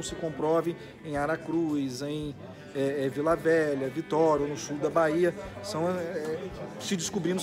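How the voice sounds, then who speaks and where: A middle-aged Brazilian man, a judge being interviewed, explaining legal concepts in a measured, didactic way. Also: on the high side. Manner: didactic, with hypothetical examples.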